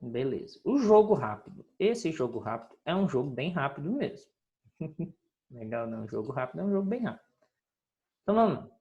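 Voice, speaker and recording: A woman teacher going over homework in a recorded lesson, patient and drawn-out, often checking in with her students. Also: deep voice, sing-song, warm tone, lo-fi sound. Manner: patient, drawn-out, sing-song teacher talk with frequent checks like "ok?".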